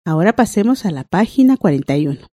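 A woman teaching a language lesson on a broadcast, reading out rules and examples in a clear, deliberate way. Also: fairly low pitch, big pitch swings, warm tone, dry recording, studio quality.

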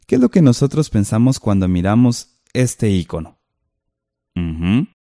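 A man's voice: lowish voice, very animated, unhurried, dark tone, no room sound, studio quality. A man co-teaching a textbook lesson, explaining step by step and posing questions to the listener.

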